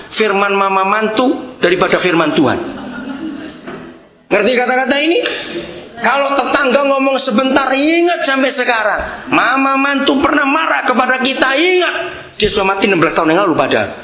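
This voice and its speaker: A man preaching a sermon, teasing and quizzing his congregation, with sudden loud outbursts. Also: very high voice, lively intonation, moderate pace, reverberant. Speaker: pastor.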